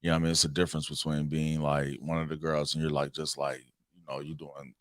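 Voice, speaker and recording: A man's voice: a bass voice, flat delivery, fast, a bit bright, dry recording, studio quality. An American man in casual, slangy conversation, telling personal stories as a talk show co-host. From Cincinnati, Ohio, United States. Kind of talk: casual chat, personal storytelling.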